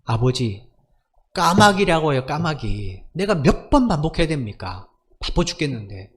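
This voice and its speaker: A man's voice: mid-range voice, animated, normal speed, breathy edge. A man acting as an irritated middle-aged son. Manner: impatient, curt repetition.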